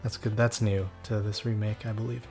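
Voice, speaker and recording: A man's voice: on the low side, level tone, brisk, mellow, faint music behind. A man rambling casually and swearing as he records a let's play. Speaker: let's player.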